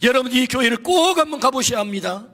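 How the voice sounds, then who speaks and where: A pastor in his fifties preaching a sermon in a church, telling stories with swings from soft to shouting. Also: very high voice, expressive, fast talker. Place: church sanctuary. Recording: long reverb of a church hall.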